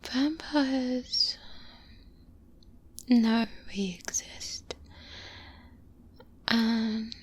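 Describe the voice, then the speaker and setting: A woman playing a seasoned vampire hunter, a calm and protective mentor, in a soft-spoken ASMR roleplay, hushed and breathy, close to the microphone. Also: fairly high pitch, exaggerated voice. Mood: grave, reflective. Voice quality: breathy, whispery. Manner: slow, deliberate, hushed, with long pauses. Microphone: close-up binaural microphone.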